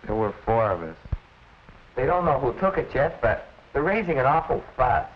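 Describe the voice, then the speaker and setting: A nervous, sheepish teenage boy in a 1940s film, played by a young man, hesitating as he speaks. His pitch rises and falls freely, and the sound is dull. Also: sing-song, normal speed, slight background noise, natural voice.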